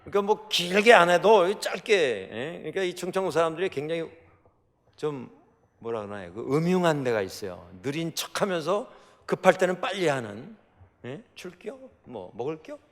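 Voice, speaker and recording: A man's voice: fairly high pitch, very animated, normal speed. A middle-aged Korean man from Chungcheong preaching a sermon as pastor, telling stories with many fillers and rhetorical questions. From South Korea. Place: church sanctuary. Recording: hall reverb.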